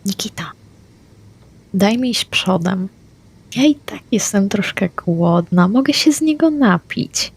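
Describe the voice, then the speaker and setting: Brief: female player in a vampire tabletop game, husky-breathy, mid-pitched, blunt. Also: lively intonation, slow. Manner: blunt, swears freely. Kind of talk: in-character tabletop play.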